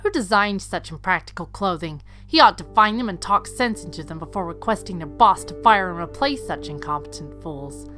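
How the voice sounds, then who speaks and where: A woman with a fairly low voice narrates an audio drama over faint music. Her delivery is scripted storytelling, as the narrator of the piece. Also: animated, moderate pace, few pauses, bright, forceful tone.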